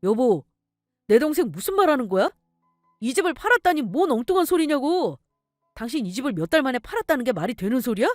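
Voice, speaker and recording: A blustering, entitled husband, as a woman reads him. His voice stays lively and pushy, with a faint music bed behind it. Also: high-pitched, fast, dry recording, studio quality, pitched above the performer's own voice. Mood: angry. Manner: blustering, indignant.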